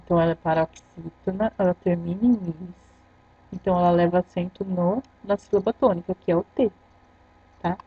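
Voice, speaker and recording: A Brazilian woman teacher recording a grammar lesson for her students, explaining step by step and checking in with a quick "tá?" after each point. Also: fairly low pitch, fairly even intonation, breathy edge, no room sound. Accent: Brazilian Portuguese. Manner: patient, explains step by step, ends phrases with "tá?". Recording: dull lo-fi sound.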